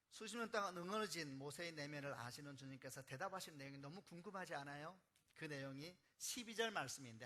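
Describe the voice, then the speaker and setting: A man's voice: medium pitch, pushed and bright. A male pastor preaching a sermon in a church, earnest and building to fervent emphasis. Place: church sanctuary.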